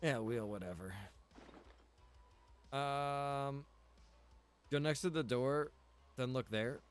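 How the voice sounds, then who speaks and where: A man's voice: mid-range voice, takes it slowly, smooth, soft background music. A man giving casual, rambling livestream commentary while gaming, repeating phrases for emphasis. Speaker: game streamer and roleplay server co-owner.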